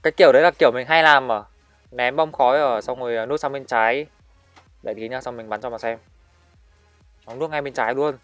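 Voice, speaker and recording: A man giving live commentary over his own shooter match, excitably calling out enemies and urging his teammates on. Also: mid-range voice, brisk, long pauses, no echo, soft background music. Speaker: gaming channel host.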